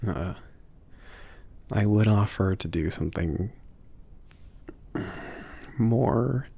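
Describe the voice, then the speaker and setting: Man playing a slow, husky, low-voiced mage shopkeeper. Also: exaggerated voice. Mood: casual, helpful. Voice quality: soft, breathy, husky, often dropping to a whisper. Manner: hesitant, rambling, trailing off with small chuckles. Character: laid-back, obliging magic shop owner, a mage, gentle and rambling. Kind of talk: intimate ASMR roleplay.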